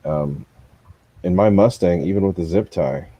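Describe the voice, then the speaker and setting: Low, husky man, casual co-host, thinks aloud with lots of ums. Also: normal speed, warm tone. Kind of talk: casual chat.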